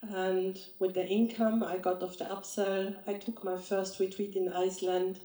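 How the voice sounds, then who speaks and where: A woman's voice: mid-range voice, little pitch movement, normal speed, mellow. A woman from Austria speaking earnestly on a live panel, with some non-native slips. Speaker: nutritionist, panelist. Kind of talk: panel talk. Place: live event stage. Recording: echoey event room.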